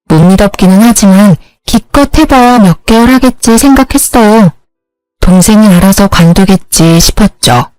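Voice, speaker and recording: A woman narrating her own story in a plain, even recounting style. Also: mid-range voice, normal speed, dry recording, soft background music.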